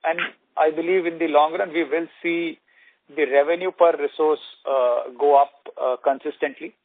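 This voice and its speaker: A man's voice: a little high, steady tone, normal speed. Executive man on a phone line. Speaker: company executive answering analysts. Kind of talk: earnings call answers, corporate and explanatory. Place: conference call. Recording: narrow, dry telephone conference line.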